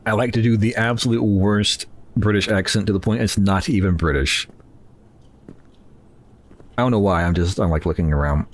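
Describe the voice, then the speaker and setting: A man's voice: fairly low pitch, normal speed, pauses often, slight background noise. A man in his twenties giving rambling, self-mocking commentary while playing a horror game, reading its text aloud. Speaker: gaming channel host. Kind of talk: casual let's play commentary.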